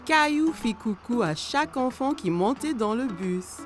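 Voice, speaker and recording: A woman's voice: a little high, animated, measured pace, faint music behind. A woman reads scripted children's story narration for a cartoon.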